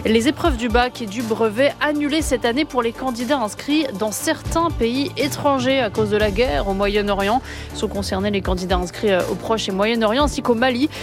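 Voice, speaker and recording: Woman news reader, steady bulletin delivery, music bed behind. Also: on the high side, normal speed. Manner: steady reading.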